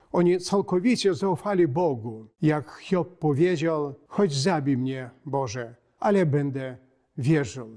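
A man speaks as a priest giving a short sermon. His voice sits a little high and moves very slowly. He is solemn and measured, breaking thoughts into short phrases. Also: darkish tone. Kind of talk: short homily, read from notes. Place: inside a wooden church.

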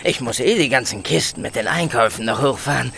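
Radio play delivery man, chatty and colloquial, lively intonation, slight noise behind. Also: medium pitch, fast, creaky. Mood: chatty, offhand. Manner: colloquial, rambling, offhand. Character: chatty, easygoing male delivery driver. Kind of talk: German audio drama acting.

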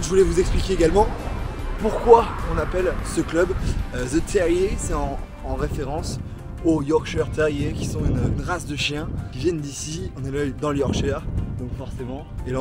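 A young man in his twenties, talking to a handheld camera as he walks around a football stadium, chatty and enthusiastic as he explains what he sees. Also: on the high side. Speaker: football vlogger. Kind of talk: casual walk-and-talk vlog narration. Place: outdoors around a football stadium, then in the stands. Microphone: handheld camera at arm's length.

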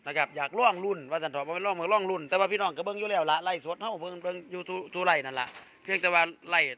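A man with an Isan accent hosting a village vlog, chatting with a friend and promoting a raffle in a lively, joking way. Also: high voice, rapid-fire, a little hiss or hum. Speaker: vlogger host. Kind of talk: casual chat and live promotion.

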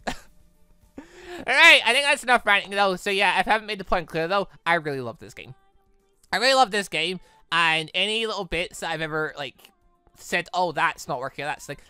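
A man hosting a gaming channel, talking in a rambling, excited way with lots of fillers. His voice is bright and clear, recorded dry and close on a desk mic. Faint music sits underneath. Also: fairly high pitch, dry recording. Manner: rambling and enthusiastic, many fillers. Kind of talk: casual let's-play wrap-up talk.

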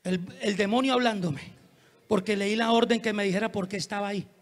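A man's voice: high-pitched, steady tone, fairly quick. A male pastor preaching an evangelistic sermon, telling a story with fervent, dramatic delivery.

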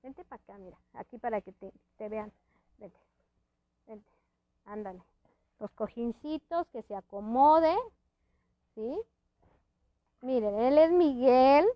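A high-pitched woman chats casually on a live stream, rambling and restarting often, her words slightly thick from a dental palate. The sound is dry and a little dull. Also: slow, pauses often, no room sound. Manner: rambling, many restarts and fillers, laughs often. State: wearing a dental palate that hampers her speech. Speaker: host. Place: indoors at a friend's house.

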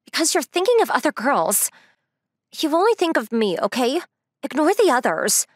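Woman doing bossy confident girlfriend in romcom manga dub, blunt, highish voice, very animated. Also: normal speed, no echo, clean studio sound. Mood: demanding. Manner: blunt, assertive. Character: bossy, confident, secretly lovestruck young woman. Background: music.

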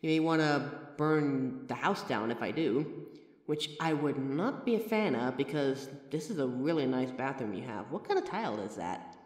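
Brief: woman as a talkative, kind mirror-reflection girl, lively pitch, echoey reverberant room. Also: normal speed. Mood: chatty. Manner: chatty, warm-hearted reassurance, self-aware rambling. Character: chatty friendly female mirror reflection, reassuring. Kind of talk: comfort roleplay audio. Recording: roomy echoey recording with long reverb.

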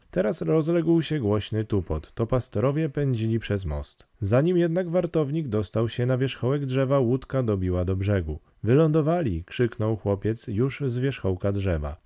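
A man narrating an audiobook in a steady storytelling read. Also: medium pitch, dry recording, clean studio sound. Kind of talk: scripted narration.

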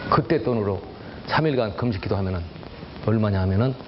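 A man's voice: fairly low pitch, fast talker, music in the background. An older man, a church elder, telling his testimony to a congregation, acting out the voices of people in his story and speaking straight to his listeners. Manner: dramatic storytelling, acts out quoted voices, addresses audience. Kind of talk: testimony sermon. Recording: dull recording with faint ambience.

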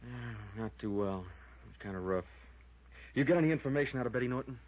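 A man playing an easygoing, sensible small-town American deputy sheriff in a 1950s radio drama, with a folksy, unhurried manner. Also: medium pitch, lively intonation, breathy edge. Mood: calm, practical. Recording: dull vintage radio recording.

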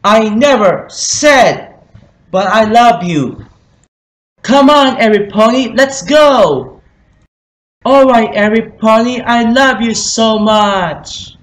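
A man's voice: high voice, animated, slow, fairly bright tone, reverberant, pitched above the performer's own voice, full character voice. A man voicing an upbeat, loyal fifteen-year-old male cartoon pony with an earnest, emphatic delivery. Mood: affectionate, rousing. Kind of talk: amateur cartoon character voice reel.

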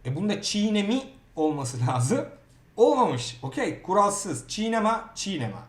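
A Turkish-speaking man teaching grammar in a lively way, often checking in with the learner. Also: high voice, measured pace, reverberant. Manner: lively, repeats words and asks "okey?". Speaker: Italian teacher. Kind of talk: grammar lesson.

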